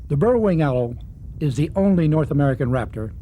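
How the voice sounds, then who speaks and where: A man narrates a nature documentary from a script. His voice sits a little high for a man yet is very mellow and warm. There is some noise and ambience behind him. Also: animated, a little fast, low-quality recording.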